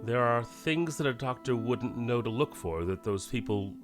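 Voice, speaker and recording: A man's voice: mid-range voice, animated, moderate pace, over music, lightly acted. A man playing an anxious, protective middle-aged scientist father in an audio drama, speaking hesitantly, carefully and earnestly. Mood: worried, earnest.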